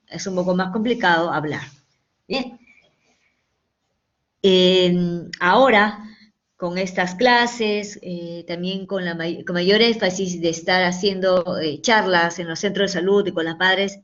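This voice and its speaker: A woman giving a medical lecture to students, explaining patiently and often checking in with short questions. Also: medium pitch. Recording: dull lo-fi recording.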